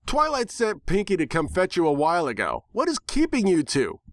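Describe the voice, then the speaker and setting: A man's voice: high voice, huge pitch swings, fairly quick, dry recording, studio quality, pitched above the performer's own voice. A man voicing a brash, tomboyish female cartoon pony with an impatient, wry and curt manner in a story reading. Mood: irritated.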